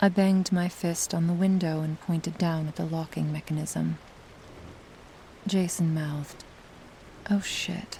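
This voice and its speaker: A soft-spoken woman's soothing, somewhat breathy voice, fairly low in pitch, fairly slow, with monotone, flat intonation. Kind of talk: sleep story. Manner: soft-spoken, soothing.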